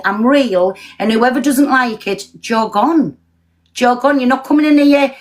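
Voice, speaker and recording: A woman's voice: on the high side, rough recording. A British woman ranting bluntly and swearing as she talks live to her viewers. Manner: blunt, sweary, fast-talking and confrontational. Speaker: TikTok live streamer. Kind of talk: ranting live stream chat.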